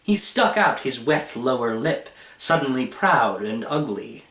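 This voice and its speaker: A man reading a short story aloud as narrator, in an expressive scripted style. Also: medium pitch, a little slow. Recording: echoey room.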